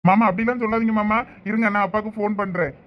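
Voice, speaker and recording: A man's voice: sits high, fairly even intonation, fast talker, highs cut off, natural voice. A man playing a worried young adult son who pleads with his uncle, with a Thoothukudi Tamil accent. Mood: pleading. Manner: pleading, urgent.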